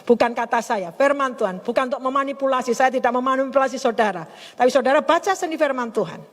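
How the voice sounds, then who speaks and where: A middle-aged woman pastor preaching a sermon in a chatty, animated storytelling way, laughing often. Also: sits high, fast talker. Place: church service in a hotel hall. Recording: long hall reverb.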